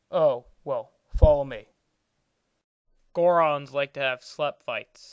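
A man puts on a character voice pitched fairly high. He speaks at a fairly slow pace with long, frequent pauses. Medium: fan dub.

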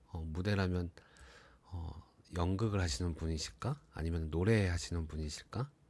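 This man's voice is very deep and low in pitch, somewhat breathy, and moves at a moderate pace. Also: ordinary pitch variation. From South Korea, Yeongdong (Chungcheong). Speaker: YouTube channel host. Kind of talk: live stream chat, giveaway draw. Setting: live stream.

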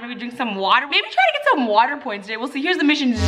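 Against light background noise, a woman speaks in a raised, projected voice with ordinary pitch variation. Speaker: vlogger. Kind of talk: casual vlog chat. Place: home room. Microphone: phone near.

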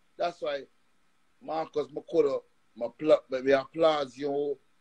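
A man speaks in a Jamaican accent at a fairly slow pace. His intonation is fairly even. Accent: Jamaican Patois-inflected English. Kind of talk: casual chat. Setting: video call.

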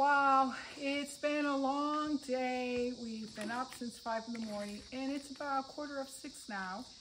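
Against noticeable background noise, a woman with a high pitch speaks at a fairly slow pace. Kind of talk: casual vlog chat. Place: open country.

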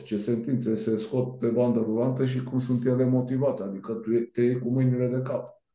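A man speaks at a fairly slow pace with a dark, mellow tone and a medium pitch. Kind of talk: panel discussion.

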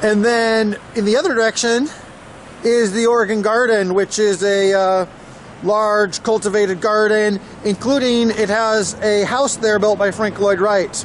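The pace is fairly slow, and the sound is dry with no echo. Light background noise can be heard. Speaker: local tour narrator. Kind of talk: casual vlog commentary. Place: street. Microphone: phone near.

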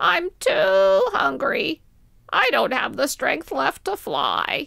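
A woman puts on a cartoonish character voice. She speaks very slowly. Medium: puppet.

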